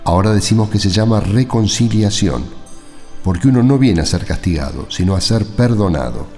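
A kindly, weary actor playing a village priest with a low male voice and an Argentine accent. He talks in a fatherly, conversational way, as in a radio play, with faint music behind. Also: expressive, normal speed, a little mellow. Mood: gentle, reassuring. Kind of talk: radio drama acting.

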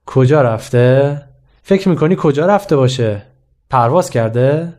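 A man's voice: a little high, lively intonation, darkish tone, lightly acted. A man voicing a stern, sarcastic male schoolteacher in a read-aloud story.

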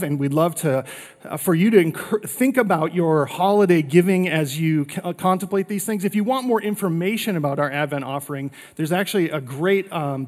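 Upbeat pastor in a reverberant hall. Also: male voice, sits high, darkish tone. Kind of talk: church announcement and interview. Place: large church auditorium, on stage.

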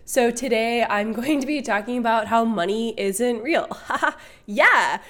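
A woman's voice: fairly high pitch, a little slow, sharp tone. Stuffy-nosed young woman vlogging. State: stuffy from a cold. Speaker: financial content creator. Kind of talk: casual vlog commentary.

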